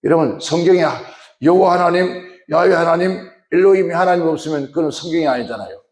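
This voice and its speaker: A man's voice: a little high, fairly quick, darkish tone. A man preaching a Sunday sermon as pastor. He talks emphatically, repeating phrases and asking rhetorical questions. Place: church sanctuary. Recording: roomy church echo.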